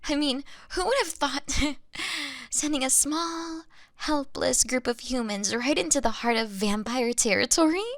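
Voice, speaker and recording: Woman acting a slow-speaking, courteous young vampire. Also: high-pitched, no room sound. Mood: hushed exasperation. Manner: formal, polite, softly deliberate. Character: young courteous female vampire, apologetic, refined and gentle. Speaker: audio drama performer. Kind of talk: intimate scripted audio roleplay acting.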